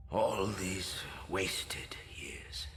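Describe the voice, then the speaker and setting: An actor playing a grave, solemn old tribal elder in a game, with a gravelly, breathy voice and weighty delivery. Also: male voice, sits low, animated, a bit bright, slight background noise, full character voice. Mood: solemn regret. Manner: slow, weighty, portentous. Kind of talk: solemn dramatic game cutscene monologue.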